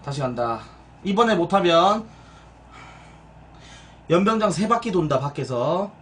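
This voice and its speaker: A young man with a high, lively voice plays a drill sergeant in a streamed comic military training, barking commands and stern corrections at a measured pace in a small room. A room mic a few steps away picks him up from a distance, with music underneath and slight background noise.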